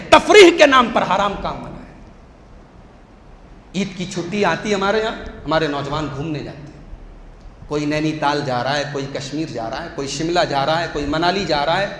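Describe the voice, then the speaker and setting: A man's voice: sits high, a bit bright. A man preaching a sermon in an emphatic, repetitive, rhetorical way. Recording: echoey hall, faint hum.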